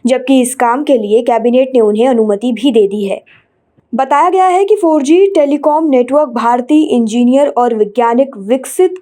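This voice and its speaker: A woman's voice: a little high, warm tone. A woman news presenter narrating scripted bulletins in a formal, read-out manner.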